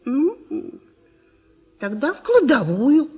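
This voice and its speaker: An actress playing a kindly, pious old country housewife in a radio play, fretful and fussing. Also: female voice, sits high, very animated, slow pace, exaggerated voice. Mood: fretful scolding. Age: older. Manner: fussing, gently scolding.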